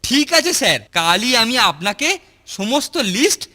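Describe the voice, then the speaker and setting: A man's voice: very high voice, sing-song, normal speed, pushed and bright, heavily acted. A man voicing a scheming, boastful schoolboy bully in a children's cartoon, with a cocky, swaggering delivery. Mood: eager. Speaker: cartoon voice actor. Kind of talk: Bengali children's cartoon dialogue.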